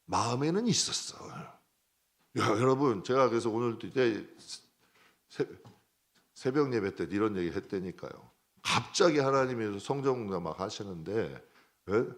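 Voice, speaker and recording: Animated male pastor preaching. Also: lowish voice, unhurried. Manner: lively, conversational preaching with sudden loud and soft turns; acts out prayers and dialogue in a raised voice. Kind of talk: sermon.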